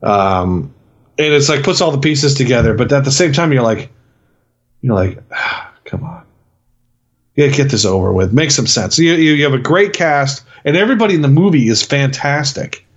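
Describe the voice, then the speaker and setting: A man's voice: mid-range voice, animated, brisk. A man co-hosting a movie review podcast, talking in a rambling, profane way with many restarts. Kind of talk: casual chat. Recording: dull lo-fi sound.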